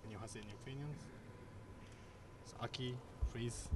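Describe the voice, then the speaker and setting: A young man, moderating a panel with measured questions. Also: medium pitch, very noisy. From Japan.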